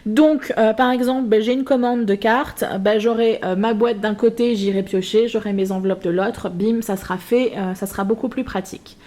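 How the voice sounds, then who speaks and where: A woman's voice: on the high side, fairly even intonation, normal speed, few pauses, dark tone. A woman chatting casually to camera in her home craft room, rambling with many hesitations and a self-mocking tone. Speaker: craft vlogger. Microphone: built-in camera mic.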